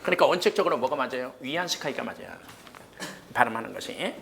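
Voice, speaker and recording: A man lectures a room of exam students in a medium-pitched voice. He is quick and blunt, and he constantly throws questions at the class and then answers them himself. Faint room noise sits behind him. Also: lively intonation, a bit bright. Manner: blunt and joking, with casual rough slang. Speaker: exam prep history lecturer. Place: cram school lecture room.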